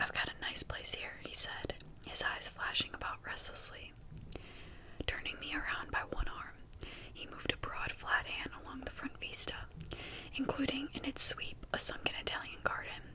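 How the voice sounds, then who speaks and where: Whispering amid noticeable background noise. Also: woman, moderate pace. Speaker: ASMR creator. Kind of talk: sleep story. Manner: whispered, soft-spoken.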